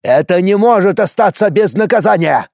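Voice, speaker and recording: A man's voice: a little high, sing-song, a little slow, no room sound, clean studio sound. Man doing a raging, pompous tribal warrior. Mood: furious. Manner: shouting, menacing, pompous. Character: boastful tribal warrior man, angry, threatening, arrogant.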